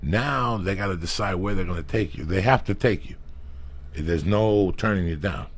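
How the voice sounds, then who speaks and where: A middle-aged man hosting a podcast, telling animated, profane stories from his past in a small studio on a studio mic. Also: sits low, moderate pace. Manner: profane, animated storyteller who acts out quotes. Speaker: podcast host. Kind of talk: casual storytelling chat. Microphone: studio mic with headphones.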